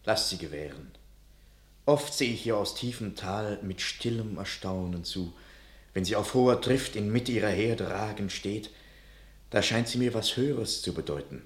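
An actor playing a loyal young shepherd suitor, earnest, protective and lyrical, in a classical radio play. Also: male voice, on the low side, animated, moderate pace, echoey room, natural voice. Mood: tender awe.

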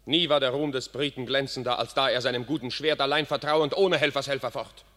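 An actor playing a fierce, arrogant English noble soldier in a classical verse radio play, declaiming with contempt. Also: male voice, medium pitch, fairly even intonation, a little fast, a bit bright, lightly acted. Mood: contemptuous. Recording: long reverberant hall sound.

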